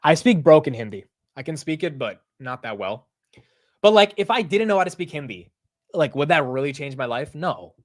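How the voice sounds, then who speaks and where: A man's voice: a little high, moderate pace, dry recording, clean studio sound. A young American man hosting a casual market livestream, ranting with profanity and poking fun at himself. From United States. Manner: animated, ranting, profane and self-mocking. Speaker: livestream market show host.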